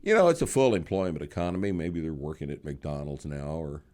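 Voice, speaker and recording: A man's voice: a bass voice, expressive, fairly quick, a little mellow, slight background noise. A man in his sixties hosting a podcast, chatting in a blunt, sarcastic, joking way. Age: 60s. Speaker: podcast host. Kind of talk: casual chat.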